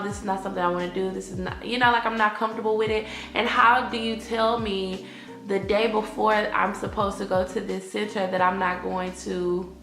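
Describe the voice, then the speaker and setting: A woman's voice: fairly low pitch, vocal fry, fairly bright tone. A woman with an African American accent talking candidly in a personal vlog, conversational and repeating phrases for emphasis. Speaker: English teacher vlogging. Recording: roomy echo, faint music behind.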